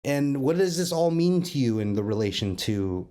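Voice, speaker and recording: A man's voice: mid-range voice, big pitch swings, moderate pace, warm tone. A man moderating a casual roundtable, rambling enthusiastically and often interrupting his own questions. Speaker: podcast moderator and lore keeper.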